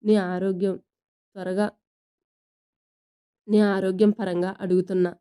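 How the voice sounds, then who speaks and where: A woman's voice: medium pitch, little pitch movement, unhurried, dark tone, smooth, close to an everyday voice. A woman reading as a firm young doctor mother. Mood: concerned.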